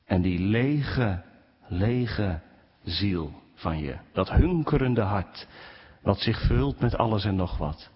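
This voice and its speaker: Dutch-speaking pastor guy preaching, big church reverb, kinda muffled sound. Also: slow pace. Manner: animated preaching, rising pitch when quoting complaints. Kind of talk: sermon.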